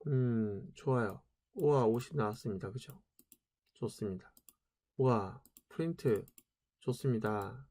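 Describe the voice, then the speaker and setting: A man's voice: mid-range voice, a little mellow, dry recording. Chatty man lecturing, dry close sound. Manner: chatty, asks rhetorical questions and answers them himself. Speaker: programming lecturer. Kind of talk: casual spoken lecture.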